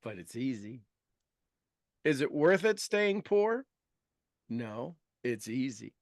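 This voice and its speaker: A man's voice: medium pitch, sing-song, slow, no room sound, studio quality. A man in his fifties hosting a motivational group talk, emphatic and repeating his key phrases. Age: 50s. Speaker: host and coach.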